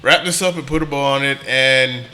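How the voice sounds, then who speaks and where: A man's voice: mid-range voice, normal speed, bright, forceful tone. A man hosting a podcast in a casual, conversational style. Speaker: podcast host. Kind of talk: casual chat.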